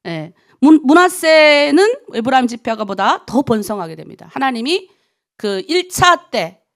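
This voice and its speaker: A middle-aged woman pastor leads a dawn prayer sermon. Her voice sits high and leaps across a wide range, with a gravelly rasp underneath. She slips into her own past prayers and her husband's words as she tells the story. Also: sing-song, a little slow.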